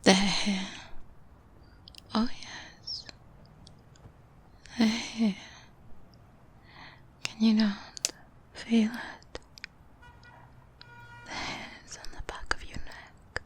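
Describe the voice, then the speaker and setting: A woman playing a seasoned vampire hunter, a calm and protective mentor, in a soft-spoken ASMR roleplay, hushed and breathy, close to the microphone. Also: a little high. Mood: hushed, wary. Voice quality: breathy, whispery. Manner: slow, deliberate, hushed, with long pauses. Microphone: close-up binaural microphone.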